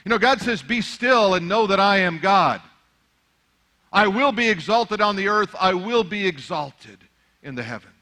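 A middle-aged pastor, an Arabic native speaker, delivers a sermon in a bright, ringing voice set a little high for a man. He talks in a loose, conversational way, then climbs into fervent preaching. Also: animated, normal speed.

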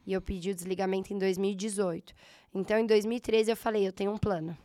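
A slightly hoarse woman in her thirties with a Brazilian accent, telling her story in a casual interview and acting out her past thoughts. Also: medium pitch, steady tone, quick pace, warm tone, no room sound, clean studio sound. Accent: Brazilian Portuguese. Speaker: guest, entrepreneur.

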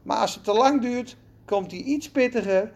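A preacher delivering a sermon in an animated, emphatic way, with folksy turns of phrase. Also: mid-range voice, normal speed, lo-fi sound.

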